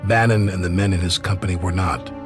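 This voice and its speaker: An actor narrating as a soldier looking back on the war, measured and reflective. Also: male voice, low voice, steady tone, over music, close to an everyday voice. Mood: somber. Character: male soldier recalling the war. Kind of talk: scripted game narration.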